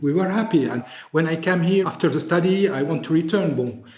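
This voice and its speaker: Man in his seventies from Syria, halting, restarts often, slightly high voice, roomy echo. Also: a little mellow. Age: 70s. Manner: halting, searching for words, frequent restarts. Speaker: interviewee. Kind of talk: candid interview in non-native English.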